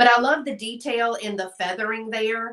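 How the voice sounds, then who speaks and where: A woman talks at a fairly slow pace. Audible room echo surrounds her, with a quiet background. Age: 40s. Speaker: online vintage seller. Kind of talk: live sales stream. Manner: chatty, animated. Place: home room. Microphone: webcam.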